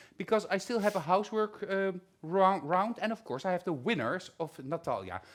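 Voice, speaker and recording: High pitch from a man, fairly quick pace, and ordinary pitch variation. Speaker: online workshop host. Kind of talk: live online show talk. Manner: stuttering.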